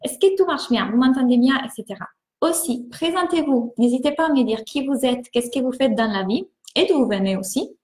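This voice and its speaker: An enthusiastic woman with an Italian accent coaches and greets viewers on a live stream. Her voice sits fairly high, and the room around her echoes. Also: expressive, brisk. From Italy. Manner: enthusiastic, warm greetings, repeats words.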